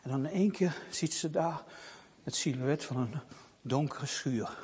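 A man reading a Christian children's story aloud with expressive delivery. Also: on the high side, a little slow, husky. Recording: long reverb.

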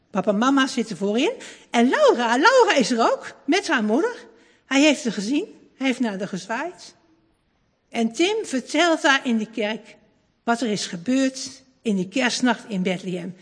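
Expressive woman reading a kids' story. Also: high voice, breathy edge. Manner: warm, expressive, lingering. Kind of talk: reading a children's story aloud. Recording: long hall reverb.

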